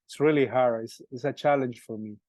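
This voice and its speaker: Colombian-accented man, halting speech. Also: mid-range voice, mellow, no echo. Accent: Colombian Spanish. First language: Spanish. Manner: halting, many repeated words and restarts. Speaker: musician guest. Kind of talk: interview answers.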